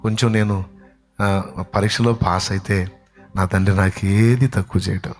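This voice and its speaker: A man preaching, voicing a devoted male believer who answers his critics quietly and patiently. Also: fairly low pitch, steady tone, moderate pace, soft background music, close to an everyday voice.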